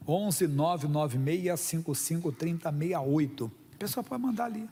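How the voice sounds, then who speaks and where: A man's voice: on the high side, lively intonation, unhurried, warm tone, breathy edge, big-room sound. A man with a Brazilian Portuguese accent preaching a sermon at a church service, emphatic and folksy, often calling listeners brother. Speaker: pastor.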